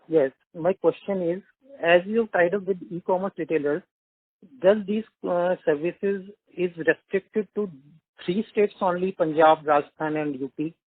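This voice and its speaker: A man's voice: sits high, measured pace, breathy edge. A man with an Indian accent, an individual investor putting questions on a conference call. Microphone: phone handset. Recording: narrow, tinny phone line.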